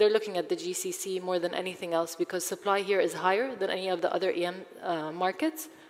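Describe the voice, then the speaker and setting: A woman speaks at a very fast pace, her pitch medium. Noticeable background noise sits behind her. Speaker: financial panelist. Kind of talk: panel discussion.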